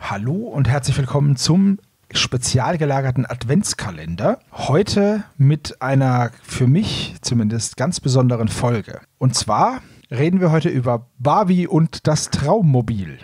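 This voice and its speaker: A man hosts a podcast in a casual, conversational style. His mid-pitched voice has a husky edge, and the recording is close and dry. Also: very animated, unhurried, a little mellow, no echo. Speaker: podcast host.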